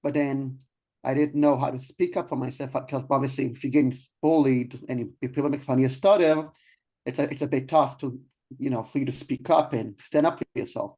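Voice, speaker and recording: A man's voice: mid-range voice, steady tone, a little fast, dark tone. Hesitant man from Israel. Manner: hesitant, many ums and restarts. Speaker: guest, life coach. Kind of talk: casual interview talk.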